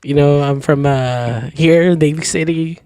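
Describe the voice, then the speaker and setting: A young man from the Philippines, a podcast guest, talking in an easygoing, halting way with many fillers. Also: on the high side, darkish tone, clear, resonant tone. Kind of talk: casual chat.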